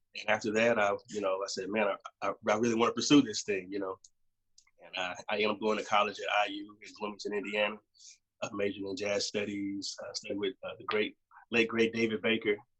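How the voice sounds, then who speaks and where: A man's fairly low, monotone, flat voice at a very fast pace, with big swings in loudness. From US South, Jackson, Mississippi. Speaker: saxophonist and producer. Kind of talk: interview. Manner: casual, frequent fillers like you know.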